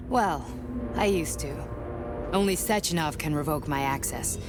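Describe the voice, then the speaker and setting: Earnest scientist, urgent, persuasive, lowish voice, game music behind. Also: female voice, a little slow. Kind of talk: video game voice acting.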